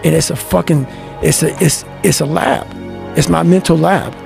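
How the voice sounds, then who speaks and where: A man telling a profane, forceful motivational story in an intense talk, with faint music behind him. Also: on the high side, fairly even intonation, normal speed, creaky. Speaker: motivational speaker.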